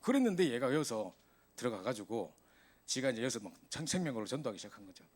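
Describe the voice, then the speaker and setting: A man preaching a sermon to a youth service, telling stories in an animated way. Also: mid-range voice, fast talker. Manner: animated storytelling, voice rising in exasperation.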